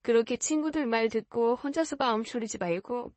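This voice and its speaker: Storybook fiancé, a gentle quiet young man, voiced by a woman, plain and earnest, a little higher than most, close and dry. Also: fairly quick, dry recording, natural voice.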